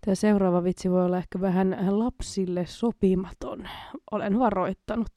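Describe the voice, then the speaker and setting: A woman's voice: medium pitch, fairly even intonation, mellow. A woman hosts a casual late-night show on her own and reads jokes aloud, giggling at the punchlines. Her voice sits in a middle register. The sound is dry and close, with no room echo. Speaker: host reading listener jokes.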